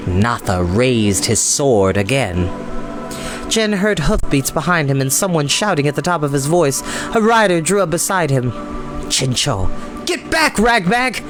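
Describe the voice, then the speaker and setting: A man reading an adventure novel aloud as a storyteller, in expressive, dramatic narration. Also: medium pitch, normal speed. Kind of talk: dramatic audiobook-style narration. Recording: music behind the voice. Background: background music.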